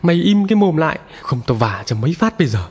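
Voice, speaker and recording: A man doing a gruff, bullying village husband. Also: on the high side, sing-song, fast, darkish tone, pitched above the performer's own voice. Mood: threatening. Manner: harsh, curt and threatening. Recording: long reverb.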